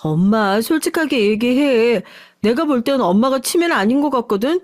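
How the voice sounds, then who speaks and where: A woman's voice: a little high, lively intonation, moderate pace, no room sound, clean studio sound, pitched above the performer's own voice, close to an everyday voice. A woman voicing a devoted grown daughter who earnestly coaxes her mother in a radio story reading. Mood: coaxing. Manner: earnest, slightly raised and coaxing. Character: devoted adult daughter, worried wife.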